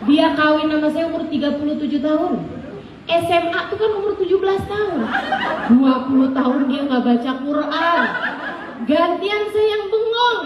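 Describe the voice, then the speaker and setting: A high-pitched middle-aged woman preaching and telling a personal story, lively and quick to laugh. Her voice sounds a little off the microphone, in an echoey room with a faint background hum. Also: a crowd in the background. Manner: animated, laughs often while telling anecdotes. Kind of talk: storytelling sermon. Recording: echoey room, distant mic, faint ambience.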